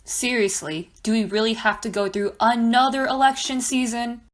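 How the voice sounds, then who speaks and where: A woman's voice: fairly high pitch, fairly even intonation, moderate pace, lightly acted. A woman playing a jaded, sarcastic debate co-host in a staged political satire, with a dismissive way of talking. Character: jaded, sarcastic female debate co-host and apathetic non-voter.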